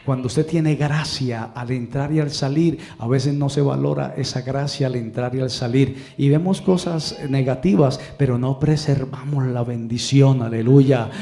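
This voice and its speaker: A man's voice: medium pitch, steady tone, normal speed, gravelly, few pauses, mellow. A man with a Colombian accent preaching a sermon as pastor, rambling and emphatic, repeating phrases for emphasis.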